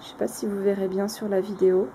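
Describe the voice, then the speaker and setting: A woman's voice: mid-range voice, little pitch movement, fast talker, background noise. A woman casually reviewing craft products on camera, speaking frankly with lots of hesitant filler sounds and restarts. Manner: frank, plainly spoken opinions.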